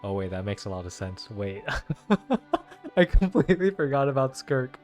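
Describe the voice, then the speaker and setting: A young man giving casual, slangy play-through reactions as an excitable gaming fan. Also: mid-range voice, moderate pace. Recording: game music behind voice.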